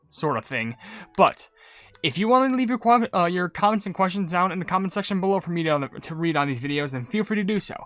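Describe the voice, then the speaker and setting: A man's voice: a little high, fairly bright tone, no room sound. Chatty, emphatic man commentating a game. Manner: rambling, emphatic. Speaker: gaming video creator. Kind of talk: excited casual game commentary.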